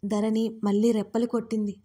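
Give me a woman reading a story aloud, steady and flat, with a warm, dark voice. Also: on the high side, a little fast, breathy edge. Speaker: narrator. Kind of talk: audiobook story narration.

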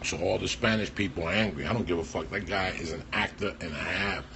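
An older man in his sixties, hosting a casual livestream in a small backstage room, talking loud and profane into a phone held at arm's length. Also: sits low, fairly quick, noisy background. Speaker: comedian and podcast host.

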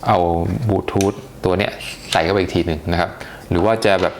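A man's voice: deep voice, fairly even intonation, moderate pace, slight background noise. A man giving a casual, chatty unboxing review, talking with hesitations and many polite particles. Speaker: tech reviewer.

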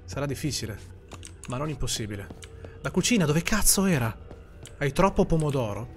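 Swearing Italian-speaking streamer, lively pitch. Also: male voice, a little hiss or hum. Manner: talks to the chat, swears, jumps from muttering to panicked shouts. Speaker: streamer playing a horror game. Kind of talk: live gameplay commentary.

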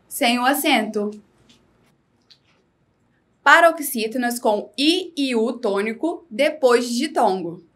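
Brazilian woman, high-pitched, slow and clear, scripted classroom explanation. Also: fairly bright tone. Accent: Brazilian Portuguese. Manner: slow, clear, instructive delivery. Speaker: teacher.

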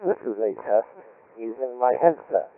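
A man slowly reading out a microphone test, his voice compressed through a filtered radio codec. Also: mid-range voice, expressive. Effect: compressed radio codec with band filters. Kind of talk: slow microphone test readout. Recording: muffled, phone-like, band-filtered codec audio.

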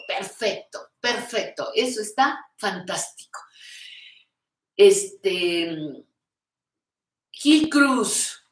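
An older woman hosts a live stream, reading viewers' comments aloud and answering them in an encouraging, affectionate way. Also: on the low side. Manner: warm, encouraging, calls viewers "reina". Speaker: host of a live show on creative aging. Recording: echoey room.

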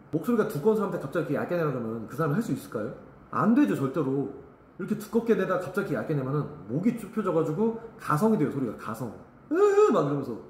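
Blunt male vocal coach lecturing at a rapid clip in an echoey studio, voice a touch high. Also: a little hiss or hum. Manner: blunt, emphatic, sings short demo phrases. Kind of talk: vocal lesson talk to camera.

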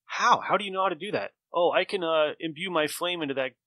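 A man's voice: a little high, fast talker, sharp tone, no room sound. A man co-hosting a podcast in a playful, enthusiastic, casual chat. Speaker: podcast co-host. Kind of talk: casual chat about comic books.

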